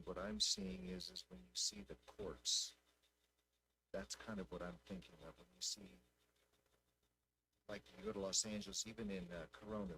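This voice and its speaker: A man with a low, creaky voice speaks at an indoor council meeting. His intonation moves up and down a great deal as he thinks out loud in plain, folksy language. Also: poor audio. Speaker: city council member. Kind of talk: informal remarks and questions at a public meeting.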